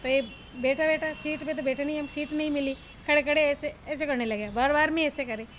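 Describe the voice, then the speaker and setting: A woman's voice: sits high, fairly even intonation, fairly quick, fairly bright tone, slight background noise. A woman with a Rajasthani Hindi accent telling her own story in casual spoken testimony, repeating phrases for emphasis.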